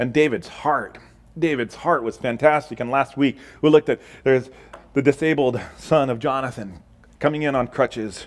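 Speaking at a moderate pace, a man shows ordinary pitch variation. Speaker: preacher. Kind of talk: sermon. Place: church. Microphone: headset.

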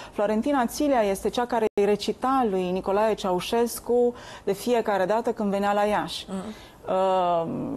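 At a fairly slow pace, a woman speaks with very even loudness and ordinary pitch variation. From Arad, western Romania; western Romania. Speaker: theatre director; guest. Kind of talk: studio interview. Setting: TV studio. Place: studio. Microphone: lapel.

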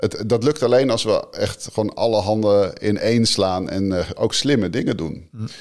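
A man's fairly low voice at a fairly slow pace. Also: quiet background. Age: 50s. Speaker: investor and entrepreneur; interviewee. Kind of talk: interview. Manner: hesitant, many filler sounds. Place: studio. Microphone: studio mic.

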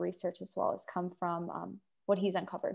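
This woman talks at a medium pitch against a quiet background. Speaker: debate moderator. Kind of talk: moderated panel debate. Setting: video call. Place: home room. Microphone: video call.

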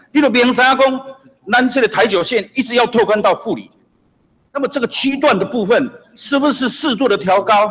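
Pitched extremely high, a man speaks at a fairly quick pace with ordinary pitch variation and long, frequent pauses. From Taiwan. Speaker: county councillor. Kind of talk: council questioning. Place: hall. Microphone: podium.

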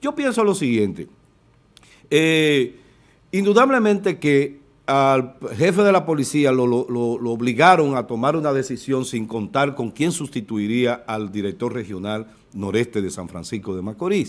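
Delivery comes at a fairly slow pace. Pitch rises and falls very widely. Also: man, medium pitch for a man. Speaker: TV news show moderator. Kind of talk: panel discussion on news. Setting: studio.

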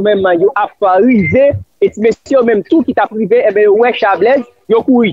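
Ordinary pitch variation and a moderate pace from a man with a high pitch. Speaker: field correspondent reporting on gang violence. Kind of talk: news report.

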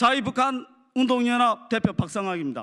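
A man's extremely high, raised and projected voice, bright and sharp in tone, animated, with ordinary pitch variation, a fairly quick pace and a quiet background. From North Korea. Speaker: activist. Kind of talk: press conference. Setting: press conference room. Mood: angry, denouncing. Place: hall. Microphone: podium.

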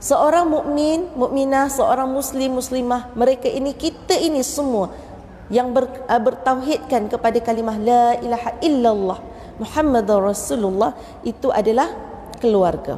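Over light background noise, a woman with a high pitch talks at a fairly slow pace with lively intonation. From Malaysia. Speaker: religious speaker and motivator; speaker. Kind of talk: religious forum talk. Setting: mosque with audience. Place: church. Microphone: handheld.

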